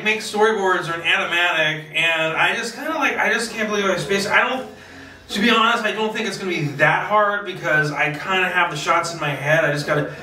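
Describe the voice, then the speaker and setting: A man with a slightly high, bright voice talks in a loose, self-mocking monologue. He is theatrical and swears freely. The sound is roomy and echoey, with faint music behind him. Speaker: solo video host. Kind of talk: rambling casual monologue to camera. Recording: roomy echo, distant mic, faint music.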